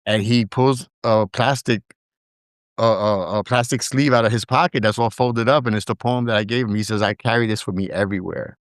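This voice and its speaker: Podcast guest, male, raised in Brooklyn and Puerto Rico, Spanish native; low-pitched, conversational, rambling, dry close recording. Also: steady tone, brisk, no echo. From Brooklyn, New York, with years in Puerto Rico. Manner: rambling, frequent fillers and restarts. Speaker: podcast guest, digital media founder. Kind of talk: casual storytelling interview.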